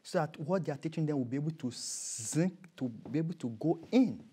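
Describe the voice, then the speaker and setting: A man's voice: a little high, animated, brisk, dark tone, breathy edge. A man with a Nigerian accent speaking as an interview guest, conversational and emphatic, often repeating his key phrases.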